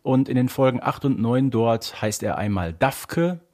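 A man's voice: mid-range voice, lively intonation, unhurried, a little mellow. A man co-hosts a casual fan discussion, playfully building up his points with theatrical flair. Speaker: podcast co-host.

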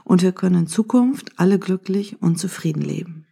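A woman voicing a clever, calm little village boy in a children's story, patient and explaining. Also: fairly low pitch, moderate pace, gravelly, husky.

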